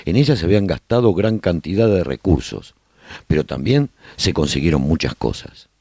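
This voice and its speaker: A man playing a nostalgic survivor who chronicles colony life in a radio serial, with measured, expressive storytelling. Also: low voice, husky, dry recording, clean studio sound, exaggerated voice. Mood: earnest, chronicling. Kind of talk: scripted first-person radio drama narration.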